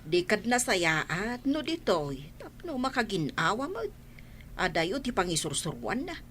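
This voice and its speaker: A woman voicing a gossiping village woman, animated as she passes along news. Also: mid-range voice, a little slow, breathy edge, heavily acted. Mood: gossipy.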